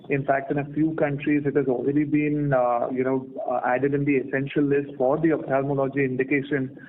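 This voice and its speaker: A male company executive explaining strategy on an earnings call in a methodical way. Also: medium pitch. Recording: noisy narrowband phone line.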